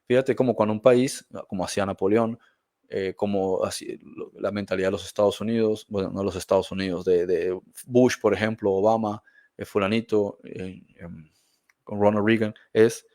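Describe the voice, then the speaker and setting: A man's voice: lowish voice, fairly even intonation, moderate pace, dark tone, dry recording, clean studio sound. A man speaking as a guest in a reflective conversation, emphatic and blunt, often restarting his sentences.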